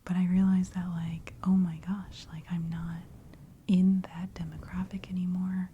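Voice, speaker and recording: Softly whispering woman in her thirties. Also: on the low side, level tone, a little slow, highs cut off, slight background noise. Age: 30s. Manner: soft encouraging whisper with frequent fillers. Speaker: ASMR creator. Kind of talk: whispered ASMR ramble. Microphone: close studio mic with brushing.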